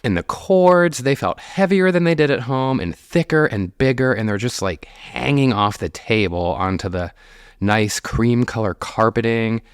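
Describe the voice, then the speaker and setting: A man hosting his own podcast, telling a personal story in a chatty, animated way and laughing often. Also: medium pitch, measured pace, clear, resonant tone, dry recording, clean studio sound. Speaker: podcast host.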